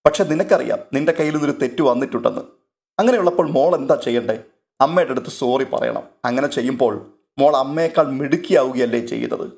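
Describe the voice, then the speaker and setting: A man reading a story aloud and voicing a caring young woman who gently coaxes a younger girl. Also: medium pitch, quick pace, gravelly, lightly acted. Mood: coaxing.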